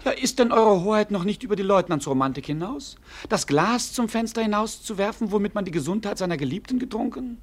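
A mocking court jester in a comic radio play. His husky voice sits fairly high and leaps around in pitch, with a sardonic, mock-pompous, theatrical delivery. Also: expressive, fairly quick, few pauses. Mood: alarmed, mocking. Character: mocking, down-to-earth jester companion of a prince. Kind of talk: classic German radio play acting, comic.

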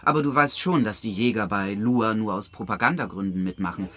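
An actor playing an aggrieved, opinionated environmental activist in a German audio drama, with a sarcastic manner. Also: male voice, lowish voice, brisk, bright, forceful tone. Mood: bitter, sarcastic. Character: sardonic, aggrieved male environmental activist, bitter hamster champion.

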